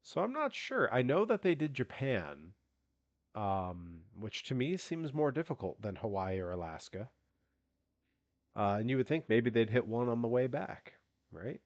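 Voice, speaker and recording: This man's medium-pitched voice swings widely in pitch and moves a little slowly, captured lo-fi with no echo. While streaming a video game, he chats and rambles, full of fillers and false starts. Allergy congestion makes him sound like he has a cold.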